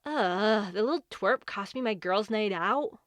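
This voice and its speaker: A woman's voice: medium pitch, expressive, unhurried, no echo, studio quality, close to an everyday voice. A woman playing a brash, teasing, talkative fairy godmother in a fantasy comedy audio drama. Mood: grumbling. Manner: flippant, exclamatory, teasing.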